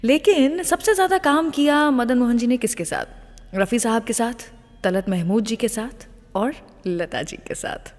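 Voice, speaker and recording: A woman radio host telling anecdotes to listeners in a lively way, posing questions and then answering them. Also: fairly high pitch, unhurried, big-room sound. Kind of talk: radio presenting, anecdotal storytelling.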